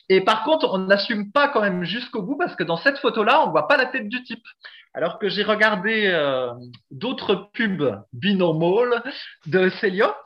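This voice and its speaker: A man's voice: high voice, lo-fi sound. A man hosting a podcast in casual chat, talkative with lots of fillers and frequent laughter. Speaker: podcast host.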